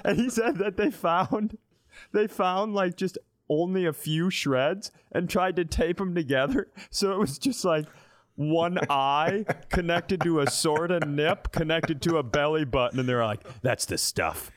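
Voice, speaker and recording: A man's voice: a little high, measured pace. Man in his thirties telling bawdy comic stories. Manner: swearing, blunt, acts out quoted lines. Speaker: comedy podcast co-host. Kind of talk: animated casual comic storytelling.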